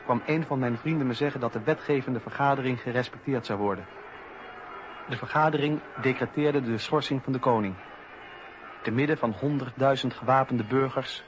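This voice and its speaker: An actor playing a principled eighteenth-century male philosopher-politician, speaking in measured, earnest, formal testimony for a radio docudrama. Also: mid-range voice, natural voice. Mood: sober recollection. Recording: dull, noisy old radio recording.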